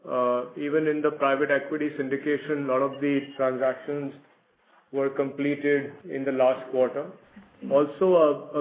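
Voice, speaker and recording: A male executive answering analyst questions off the cuff, hesitant with frequent fillers. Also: medium pitch. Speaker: company executive. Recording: tinny phone line in echoey room.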